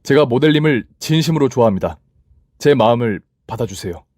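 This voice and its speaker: A man doing a low, hesitant boyfriend. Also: expressive, brisk, a little mellow, no room sound, clean studio sound, lightly acted. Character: smooth male company boss, boyfriend.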